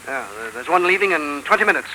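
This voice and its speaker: Blustering army general. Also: male voice, on the high side, expressive, fast, sharp tone, low-quality recording. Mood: gruff. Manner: brusque, impatient, blustering. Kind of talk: 1930s radio drama acting. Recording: old radio broadcast, faint hiss.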